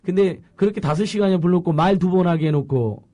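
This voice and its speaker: A man hosting a political talk interview, telling stories with animated, laughing delivery. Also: high voice, fast talker. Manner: animated, with laughter, tells anecdotes. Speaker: host.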